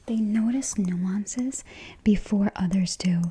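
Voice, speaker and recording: A woman speaking in a hushed, breathy whisper, soft-spoken ASMR style, gently and deliberately reassuring the listener. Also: medium pitch.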